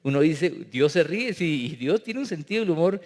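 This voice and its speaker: A man's voice: on the high side, expressive, normal speed, darkish tone. A man preaching a sermon as pastor, joking with the congregation and putting rhetorical questions to them. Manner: humorous, mimics people in funny voices. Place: church sanctuary. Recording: long reverb of a church hall.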